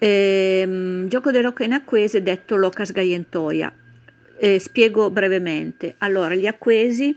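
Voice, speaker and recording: Here a woman speaks at a very slow pace. Her pitch sits in the medium range. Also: ordinary pitch variation. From Piedmont, Italy. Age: 50s. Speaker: public administration employee and amateur singer. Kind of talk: casual interview answers.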